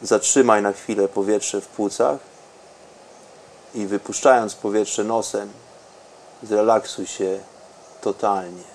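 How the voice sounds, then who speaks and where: Slow-talking man, calm and unhurried. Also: on the low side, vocal fry, slight background noise, poor audio. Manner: calm, unhurried, soothing delivery with long pauses. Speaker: podcast host and meditation guide. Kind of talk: guided breathing meditation.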